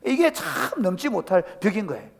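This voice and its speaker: Animated Korean pastor preaching in a reverberant church. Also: male voice, sits high, quick pace, creaky. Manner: animated preaching, acts out quoted voices, asks the congregation questions. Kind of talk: sermon. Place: church sanctuary. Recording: church hall with long reverb.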